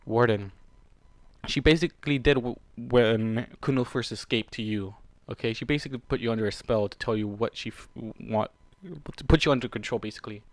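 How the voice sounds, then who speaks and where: At medium pitch and a brisk pace, a man reads a fan fiction story and reacts with angry, profanity-laced commentary, talking to the characters themselves. The recording has no audible room sound.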